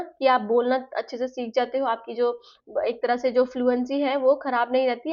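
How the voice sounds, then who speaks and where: Woman, teacher, high voice, explanatory lecture, slightly muffled lo-fi sound. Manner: explains in Hindi mixed with English terms, with frequent fillers. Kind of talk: spoken lecture for teacher-training students.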